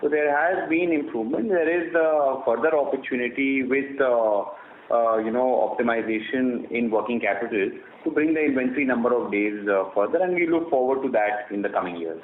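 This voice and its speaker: A man with an Indian accent answering as a company executive on an earnings call, formal and measured, with hesitant phrasing. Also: medium pitch. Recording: roomy, band-limited phone line with noise.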